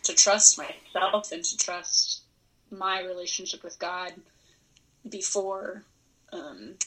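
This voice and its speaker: A young adult woman with a bright, lively tone talks through her thoughts as a podcast guest. She processes verbally, circles back, restarts phrases and laughs lightly as she reflects. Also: fairly low pitch, slow, low-quality recording. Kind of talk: reflective conversational interview.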